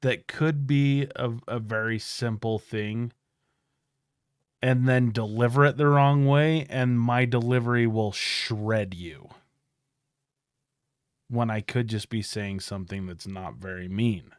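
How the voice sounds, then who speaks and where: Male co-host, slow and halting, smooth voice, dry close recording. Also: medium pitch, steady tone, no room sound. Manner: halting, self-critical, restarts often. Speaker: podcast co-host. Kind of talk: candid couple's conversation.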